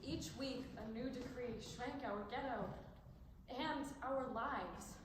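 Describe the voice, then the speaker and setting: A young woman plays a steadfast girl who survived the ghetto, in a stage drama. Her voice is high. It rings through a very echoey hall with clear background noise. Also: slow. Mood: somber, remembering. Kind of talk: stage play acting, memoir narration.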